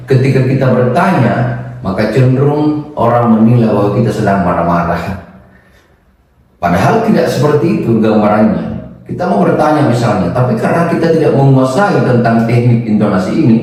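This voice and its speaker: A man giving a recorded lesson in a measured way, stressing words and asking and answering his own questions. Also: mid-range voice, darkish tone. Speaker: lecturer. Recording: very echoey room, voice from a distance.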